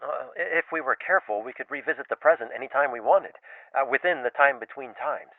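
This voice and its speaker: A man's voice: medium pitch, lively intonation, fairly quick, no echo, phone-quality sound. A man playing a flustered husband who narrates and talks in a hesitant, stammering way. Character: flustered husband and writer telling his tale. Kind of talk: audio drama narration and dialogue.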